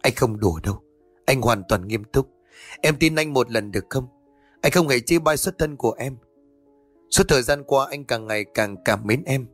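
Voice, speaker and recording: A man's voice: medium pitch, moderate pace, a bit bright, no room sound, faint music behind, natural voice. A man voicing an earnest young man who tenderly asks a grieving woman to trust him.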